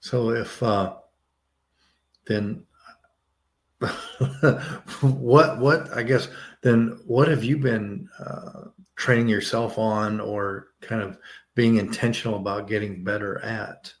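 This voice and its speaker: Man hosting a podcast, lowish voice, talks casually, sums up what his guest says. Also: fairly even intonation, slow, pauses often. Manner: conversational, paraphrases the guest's points, chuckles. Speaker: podcast host.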